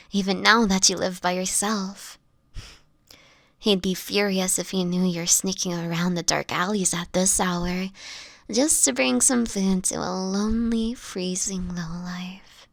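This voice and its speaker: A woman playing a gentle, world-weary, sickly homeless vampire in an audio roleplay, speaking softly and breathily in slightly old-fashioned phrases, close to the listener. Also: medium pitch, vocal fry, no room sound. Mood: wry, fond. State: sickly, frail, with coughs.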